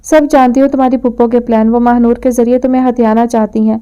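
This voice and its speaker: A woman reading an audio novel, voicing a sharp-tongued, scheming middle-aged mother who scolds and scorns. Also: a little high, little pitch movement, smooth, lightly acted. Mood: scornful.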